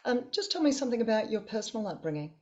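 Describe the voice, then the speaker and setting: A woman's voice: a little high, big pitch swings, racing, a little mellow, lo-fi sound. A woman hosting an interview, asking open and encouraging questions. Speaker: podcast host. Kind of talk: interview conversation.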